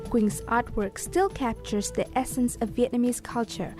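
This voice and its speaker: A woman narrating a news feature in a measured, even reading voice. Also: on the high side. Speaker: news reporter. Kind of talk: scripted news voice-over. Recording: voice-over with music bed.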